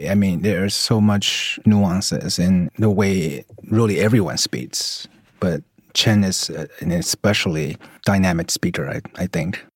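A man from Taiwan, a native Mandarin speaker, talking thoughtfully in a measured way as an audio journalist in an interview. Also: low voice, slightly rough, no room sound, clean studio sound. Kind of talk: reflective interview talk.

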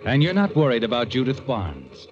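An American actor playing an insinuating, all-knowing narrator who needles the character in a 1940s radio thriller. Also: male voice, mid-range voice, huge pitch swings, normal speed. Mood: sly, taunting. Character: the Whistler, taunting all-knowing male narrator of crime tales. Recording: muffled old radio recording under music. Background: dramatic music.

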